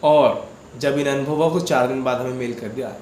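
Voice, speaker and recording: A man's voice: medium pitch, moderate pace, darkish tone, roomy sound, a little hiss or hum. Man retelling a devotional dream story. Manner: conversational, repeats words, asks listeners questions. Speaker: devotional channel host. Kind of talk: casual retelling of a viewer's dream experience.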